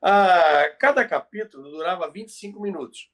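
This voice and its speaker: A man's voice: high-pitched, moderate pace, a bit bright. A Brazilian man presenting in an informal lecture style, explaining didactically and repeating phrases for emphasis. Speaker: presenter explaining radio history.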